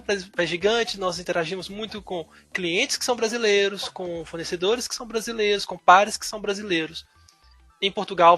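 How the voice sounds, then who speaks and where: A man with a Brazilian accent talks in a very high register for a male voice, bright and forceful. He sounds like a recruiter on a panel, making his case with examples and emphatic lists. Some light music sits behind him. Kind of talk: explanatory panel talk with examples.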